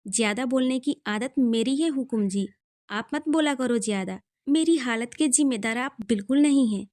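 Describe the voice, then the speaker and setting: An emotional young wife who cannot walk , voiced by a woman reading the story. She talks in a high voice, pleading one moment and teasing the next. It is an audio story reading. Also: moderate pace, a little mellow, natural voice. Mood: scolding. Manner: tearful, then teasing.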